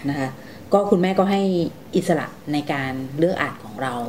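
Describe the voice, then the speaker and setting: A woman's voice: low-pitched, lively intonation, moderate pace, darkish tone, a little hiss or hum. A woman hosting a conversational interview, politely asking questions and summing up with some hesitation. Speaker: interviewer, show host.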